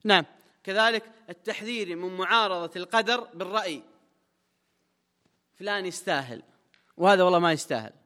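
A man's voice: high-pitched, bright, forceful tone, long reverb tail. A man, a sheikh explaining a religious text in a colloquial lesson, stressing points emphatically. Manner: explains quickly in colloquial speech, with emphatic rises.

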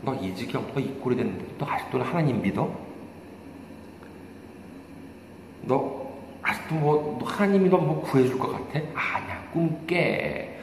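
A man voicing Satan as a sly, mocking male tempter, in whispered role-play, taunting in a hushed voice. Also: fairly high pitch, expressive, normal speed. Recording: echoey hall reverb, faint noise.

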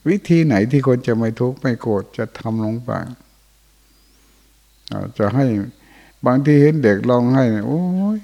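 Older monk with a gravelly, warm voice. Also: male voice, mid-range voice, normal speed, pauses often. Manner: folksy storytelling with chuckles. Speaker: Buddhist monk. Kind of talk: informal dharma talk. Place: monastery hall indoors.

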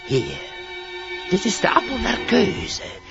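A cryptic sorcerous figure in a theatrical radio play. The creaky voice swoops wildly and speaks slowly, like an incantation. Music plays behind the muffled recording. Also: mid-range voice, wildly swooping pitch, full character voice. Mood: grandly sinister. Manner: incantatory, slow, grandly dramatic. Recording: dull old radio recording.

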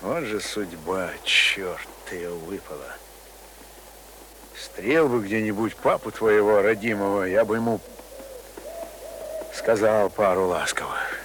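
An actor playing a rough but kindly middle-aged village man in a radio play, muttering and sighing in speech. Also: on the low side, slow, pauses often, fairly bright tone. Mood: bitter, rueful. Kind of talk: Russian radio play acting. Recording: noisy radio drama recording.

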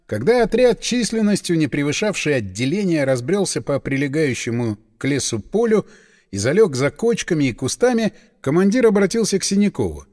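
Expressive high-voiced male audiobook narrator. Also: fairly quick, in a large hall. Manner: expressive, dramatic reading.

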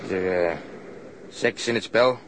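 A man's voice: fairly low pitch, unhurried, background noise, lightly acted. A man playing a talkative, cynical policeman who grumbles drily in a naturalistic radio drama. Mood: sardonic, weary.

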